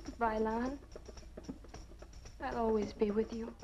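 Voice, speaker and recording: A woman's voice: fairly high pitch, fairly even intonation, slow. An actress playing a devoted, resolute alien moon woman, earnest and formal in 1950s B-movie style. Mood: earnest, urgent. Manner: earnest, formal, uncontracted phrasing. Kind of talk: 1950s science fiction B-movie acting. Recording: dull old film soundtrack, loud music.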